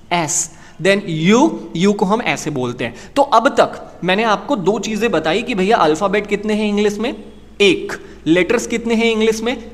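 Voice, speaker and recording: A man's voice: sits high, fairly bright tone. Chatty male teacher in an echoing room. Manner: chatty, asks the listener rhetorical questions. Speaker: English teacher. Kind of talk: classroom-style lesson for beginners. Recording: long reverb, echoey room.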